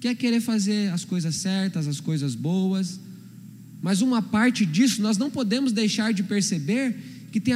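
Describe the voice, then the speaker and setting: With lively intonation and a high pitch, a man speaks in a room with audible echo. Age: 30s. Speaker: pastor. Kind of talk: sermon. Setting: church.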